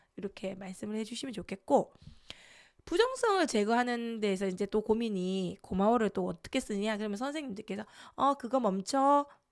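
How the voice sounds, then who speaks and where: On a very clean recording with a silent background, a woman with a fairly high pitch has an animated tone and ordinary pitch variation. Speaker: teacher trainer. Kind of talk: lecture. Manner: fast.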